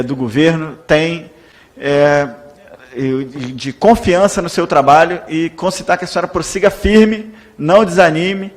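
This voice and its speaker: A Brazilian Portuguese-speaking man, a legislator, giving a formal, deferential speech in a parliamentary session. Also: a little high. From Brazil, born in Salvador.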